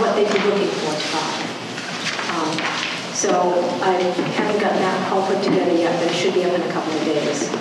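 A woman talks at a fairly quick pace with audible room echo. Loud background noise fills the recording. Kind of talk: informal presentation at a public meeting. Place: meeting room. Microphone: camera far.

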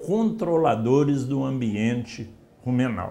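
A man talks at a fairly slow pace in a fairly high, somewhat breathy voice. His intonation is lively. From Brazil. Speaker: professor teaching cattle feedlot management; course instructor. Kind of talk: instructional tutorial. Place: office. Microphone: lapel.

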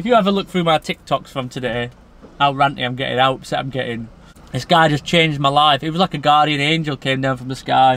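In a dry recording with no echo, a man talks at a very fast pace. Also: ordinary pitch variation. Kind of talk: casual vlog chat. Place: car. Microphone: phone near.

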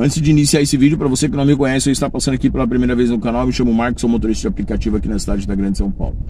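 A man talks at a very fast pace in a dry sound with no echo, with light background noise behind him. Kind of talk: casual vlog chat. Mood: frustrated, venting. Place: car. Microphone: phone near.

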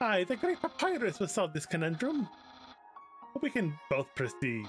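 Clear music plays behind a put-on character voice at a middle pitch. It moves at a moderate pace with very wide pitch swings. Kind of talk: comic overacting. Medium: virtual streamer. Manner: loud, boastful, enthusiastic.

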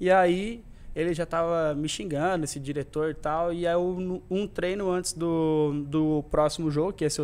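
This man's voice sits fairly high. Its pitch moves in an ordinary way. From Brazil, São Paulo state and others. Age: 20s. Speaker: football player; podcast guest. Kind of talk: interview. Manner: halting. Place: studio. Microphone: studio mic.

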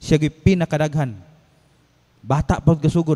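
A man talks in a dark, mellow tone. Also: quiet background. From Philippines, Mindanao. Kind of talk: homily. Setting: church. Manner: earnest, exhortative; conversational, code-switching. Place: church. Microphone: podium.

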